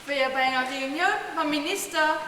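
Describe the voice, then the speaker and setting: A woman's voice: high voice, fairly quick, pushed and bright, slight background noise. A woman with a Luxembourgish accent, acting a dry, teasing office worker who pranks her boss in a live cabaret sketch. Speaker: cabaret actor. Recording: distant echoey stage recording.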